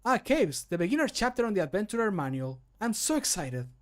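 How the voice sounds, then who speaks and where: A man's voice: high voice, sing-song, fairly quick, voice pushed up. A man voicing a spirited adventurer companion for video game lines, with a theatrical, sardonic delivery. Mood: mock excitement. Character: spirited adventurer companion exploring caves and battling.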